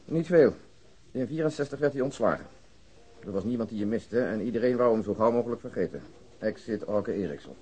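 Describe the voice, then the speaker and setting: A man's voice: fairly low pitch, expressive, fairly quick, mellow, husky, low-quality recording. An actor playing a dry, matter-of-fact policeman in a radio drama, explaining things in a wry, expository way. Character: dry, matter-of-fact male police colleague giving case background. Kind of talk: Dutch radio drama dialogue.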